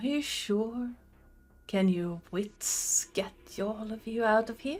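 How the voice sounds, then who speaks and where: This woman puts on a character voice, pitched fairly high. She talks at a fairly slow pace. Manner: creepy, taunting.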